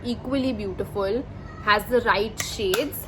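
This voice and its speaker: A female speaker is heard with audible room echo and noticeable background noise. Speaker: beauty vlogger. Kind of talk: product review. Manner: fast; animated.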